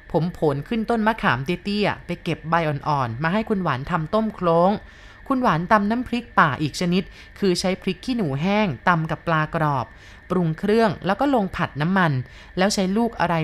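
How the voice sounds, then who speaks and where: Woman, audiobook narrator, somewhat low pitch, calm, measured storytelling. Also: a little hiss or hum. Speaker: audiobook reader.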